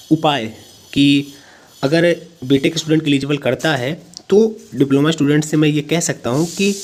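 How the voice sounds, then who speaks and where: A man's voice: on the high side, slight background noise. A man hosting an informal explainer for students, talking emphatically and mixing in English words. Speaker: host of a job-notification video channel.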